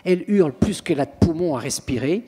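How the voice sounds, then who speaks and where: A man's voice: fairly high pitch, animated, quick pace, mellow, husky. A man, a priest and exorcist, telling stories in an interview in an emphatic, theatrical way. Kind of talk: interview, storytelling. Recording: long reverberant room echo.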